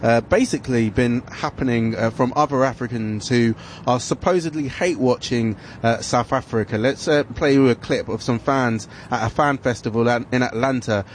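A man presenting a sports news report and questioning guests, brisk with some fillers. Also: medium pitch, a little hiss or hum. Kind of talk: broadcast presenting and interviewing.

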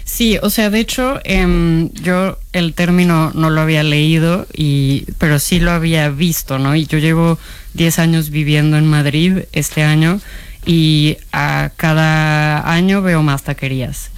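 A woman's voice: low-pitched, fairly even intonation, a little slow, clean tone, no room sound. A Mexican woman with a Mexican accent, a journalist chatting casually on radio, hesitant with many fillers. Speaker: journalist, regular contributor. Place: radio studio.

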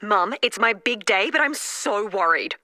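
A woman's voice: mid-range voice, lively intonation, measured pace, close to an everyday voice. A woman playing a worried, demanding young bridezilla in an acted radio advert. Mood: fretful, demanding. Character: worried young bride, frantic bridezilla fussing over toilets.

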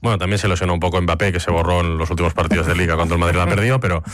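A man hosting a sports talk show, asking quick questions and prompting with tag questions. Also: deep voice, fairly even intonation, no echo. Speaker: host. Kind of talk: interviewer questions.

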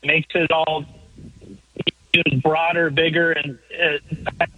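A man's voice: on the high side, little pitch movement, slow pace, husky, no room sound. A man calling in to a show with an earnest, long-winded question, his phone line breaking up and cutting off the ends of his words. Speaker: caller. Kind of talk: call-in question on a radio show.

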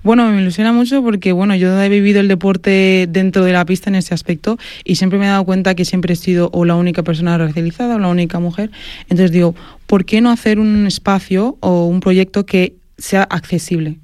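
A woman's voice: fairly low pitch, fairly even intonation, fairly quick, warm tone, no room sound, studio quality. A woman from Madrid, a guest in a casual interview, talking earnestly with many fillers and self-corrections. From Madrid, Spain. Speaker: guest, sports marketing agency founder.

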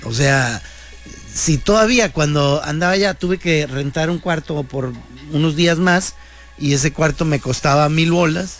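A man's voice: a little high, unhurried, faint music behind. A man, hosting a radio show in a joking, slangy monologue. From Mexico. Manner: joking, slangy, playful banter. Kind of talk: casual comedic radio monologue.

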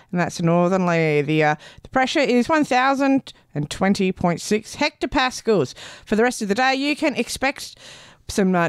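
A woman's voice: mid-range voice, smooth, no room sound. Aussie lady radio host in her 30s, joking around, voice bouncing all over, dry studio sound. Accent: Australian. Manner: playful, self-mocking, laughs often. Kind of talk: community radio chat and weather read. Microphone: studio microphone.

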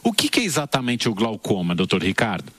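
A man's voice: lowish voice, wildly swooping pitch, fast, fairly bright tone, breathy edge, no room sound. A man hosting a radio interview, asking questions in several parts.

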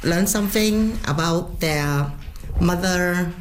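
Earnest low-voiced woman teacher. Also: takes it slowly, low-quality recording. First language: Cantonese. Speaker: language teacher. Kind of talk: interview answers.

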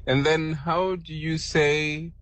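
A woman's voice: low voice, steady tone, takes it slowly, no room sound. A woman phoning a radio show, amused and laughing about her daughter. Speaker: caller, mother.

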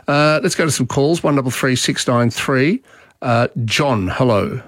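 A middle-aged Australian man hosting a radio talkback show in a relaxed, chatty way, often repeating words as he restarts. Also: mid-range voice, measured pace, dry recording, clean studio sound. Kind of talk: casual talkback chat.

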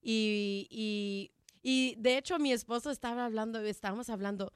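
A woman's voice: fairly high pitch, steady tone, clear, resonant tone, no room sound, studio quality. A woman whose first language is English, speaking Spanish in a casual interview about her jazz program, with frequent restarts and fillers. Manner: halting, many restarts and fillers.

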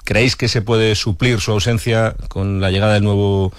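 A man's voice: fairly low pitch, steady tone, normal speed, no echo, clean studio sound. A male sports radio interviewer asking questions in a conversational way, often ending with tag questions.

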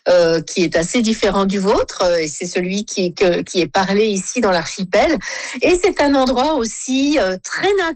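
A woman with a Saint-Pierre-et-Miquelon French accent, a travel agency president explaining things lively as a radio interview guest. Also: medium pitch, normal speed, no room sound. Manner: lively, explanatory, frequent restarts.

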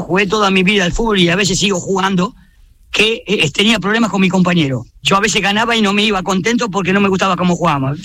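A man's voice: sits high, pushed and bright, slight background noise. A man in his sixties from Argentina, with an Argentine accent, calling in to a radio show and giving his views with passion and emphasis. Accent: Argentine Spanish. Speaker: caller. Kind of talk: radio phone-in chat.

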